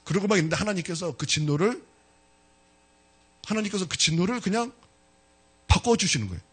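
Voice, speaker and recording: Pastor guy preaching, high voice that swings all over, kinda husky, talks right to the church. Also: fairly quick. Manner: animated storytelling, addressing the congregation directly. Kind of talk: sermon.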